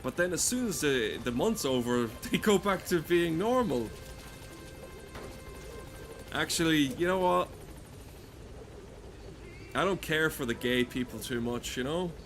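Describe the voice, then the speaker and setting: A man's voice: on the high side, lively intonation, a little slow, long pauses, soft background music. A man giving crude, comedic, rambling commentary while playing a game, swearing often. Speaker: gamer talking over gameplay.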